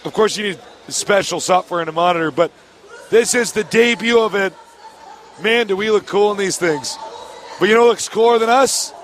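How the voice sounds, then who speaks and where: A hoarse man casting esports as co-host, joking and upbeat in an exhibition hall. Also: sits high, fairly bright tone, some chatter behind. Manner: joking, upbeat, quick asides. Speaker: co-caster and host. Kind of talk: casual esports casting banter. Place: exhibition hall stage area.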